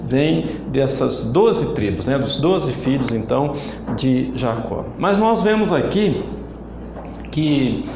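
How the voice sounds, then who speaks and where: Slow, emphatic Brazilian preacher man. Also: medium pitch, animated, vocal fry, roomy sound, background noise. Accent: Brazilian Portuguese. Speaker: church leader preaching. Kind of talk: online sermon. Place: church hall.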